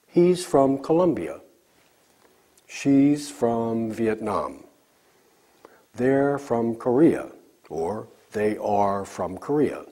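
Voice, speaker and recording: A man teaching a recorded English lesson, slowly drilling example sentences for learners to repeat. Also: medium pitch, darkish tone.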